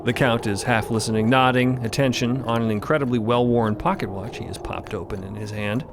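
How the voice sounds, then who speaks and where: Guy narrating an audio drama, mid-pitched voice, busy ambience behind him. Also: a little fast, background noise.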